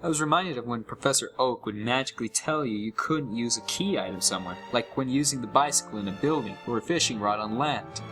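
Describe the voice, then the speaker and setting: A man's voice: medium pitch, expressive, fast, hardly any pauses, music in the background, lightly acted. A young man playing an uneasy gamer who narrates a scripted horror story with dramatic, suspenseful delivery. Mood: disturbed, suspenseful. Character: uneasy young male gamer recounting a haunted game.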